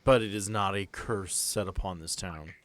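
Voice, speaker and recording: A man's voice: low voice, moderate pace, a bit bright. A man narrating a tabletop roleplaying game as game master, with joking asides.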